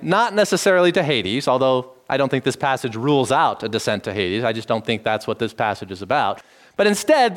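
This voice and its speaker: A middle-aged man preaching, teaching in a measured tone and lifting his voice to stress key phrases. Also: on the high side. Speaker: pastor. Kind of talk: expository sermon.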